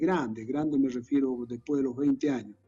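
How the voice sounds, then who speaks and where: A man talks at a moderate pace while music runs behind him. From Argentina, Mendoza. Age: 60s. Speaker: photographer. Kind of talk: interview. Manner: halting, many fillers.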